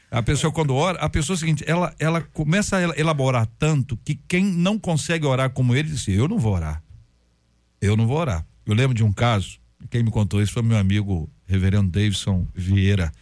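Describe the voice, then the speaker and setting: A man, a pastor, talking about prayer in a relaxed, conversational way and acting out stories and prayers. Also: mid-range voice, gravelly, no room sound. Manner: storytelling, acts out prayers and quotes. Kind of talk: conversational faith talk.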